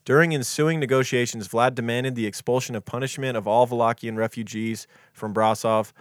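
Male podcast co-host, mid-pitch, reads notes casually, dry close mic. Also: steady tone, brisk, no echo. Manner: reads dates and quotes, stumbles on foreign names, swears casually. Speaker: podcast co-host reading history. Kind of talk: casual true crime podcast, reading from notes.

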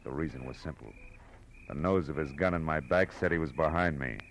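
Low-voiced hard-boiled radio detective. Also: male voice, a little fast, fairly bright tone, a little hiss or hum. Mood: tough, world-weary. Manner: wry, clipped, tough. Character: hard-boiled private detective, wry and world-weary. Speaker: lead actor and narrator. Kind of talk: 1940s radio detective narration and dialogue.

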